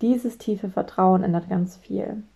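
A German woman in her late twenties talks as a business mentor in a reflective, personal way. Her voice is warm and mellow and sits in a middle register. She acts out her own anxious thoughts with sudden high exclamations. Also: slow, gravelly. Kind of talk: reflective solo talk.

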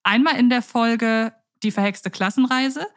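A woman's voice: a little high, unhurried. Chatty woman podcast co-host. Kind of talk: casual chat about radio plays.

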